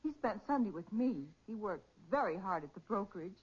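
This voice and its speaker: Bereaved, faltering woman, slightly husky, 1940s radio mystery style, dull vintage sound. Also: mid-range voice, animated, a little fast. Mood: subdued, hesitant. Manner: hesitant, plaintive. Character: bereaved, hesitant sister of a murdered man. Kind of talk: 1940s radio crime drama acting.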